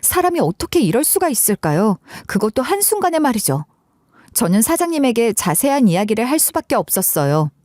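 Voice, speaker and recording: A woman narrating a dramatized true-life story for an audio story channel. Her delivery is expressive, with a fairly high voice that swings widely in pitch. The recording is dry and close. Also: brisk, no room sound.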